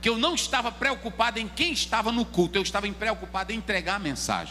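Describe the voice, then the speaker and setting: Noticeable background noise is present while the man talks. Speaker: pastor. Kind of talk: sermon.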